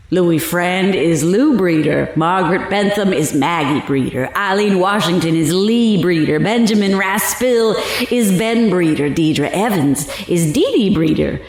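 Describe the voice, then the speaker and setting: Sly older fortune teller killer, lowish voice, drawly and taunting, bit echoey, audio drama. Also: female voice, darkish tone. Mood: gloating, taunting.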